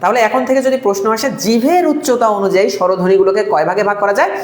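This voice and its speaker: A woman's voice: medium pitch, expressive, very fast, reverberant. A woman teaching a live online exam-prep class, drilling terms by repeating them and asking and answering her own questions.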